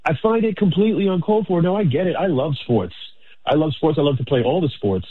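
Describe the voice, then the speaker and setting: A man's voice: on the high side, expressive, fast talker, husky. A man calling in to a radio show over a tinny phone line, casually giving his opinion. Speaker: caller.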